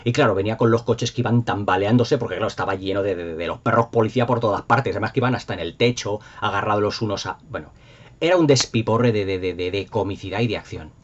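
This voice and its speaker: Speaking fast in a fairly low voice, a middle-aged Spaniard with an accent from Spain hosts a casual, nostalgic video, rambling and effusive with enthusiasm. The audio is dull with slight background noise.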